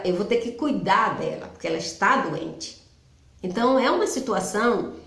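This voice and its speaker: Echoey woman explaining conversationally. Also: on the low side. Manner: conversational, personal, with frequent "então" restarts. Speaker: psychology channel host. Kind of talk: informal explanatory talk.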